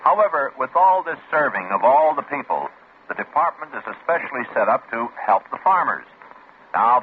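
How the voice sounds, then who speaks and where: Man, folksy scripted announcement, tinny sound, faint hiss. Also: medium pitch. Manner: chatty, folksy. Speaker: commercial announcer. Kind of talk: scripted public-service announcement. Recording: tinny old radio broadcast with faint hiss.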